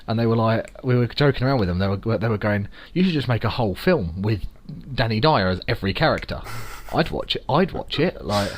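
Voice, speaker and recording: Rambling London man, low voice. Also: lively intonation, fairly quick, hardly any pauses. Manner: rambling, loose and jokey, lots of fillers. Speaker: podcast co-host. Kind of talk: casual chat.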